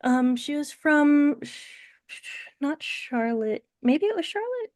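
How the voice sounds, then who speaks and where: A woman's voice: high voice, big pitch swings, slow pace, a little mellow, dry recording. A woman interviewer chatting casually, a little hesitant and giggly as she talks.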